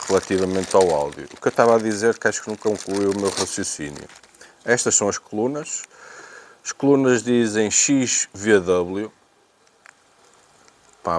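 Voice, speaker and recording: A man with a European Portuguese accent and a lowish voice talks through a product unboxing. He speaks off the cuff, thinking aloud and often repeating words as he searches for the next one. There is faint noise in the recording. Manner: hesitant, repetitive, thinking aloud. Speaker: unboxing video presenter. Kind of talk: casual unscripted product review.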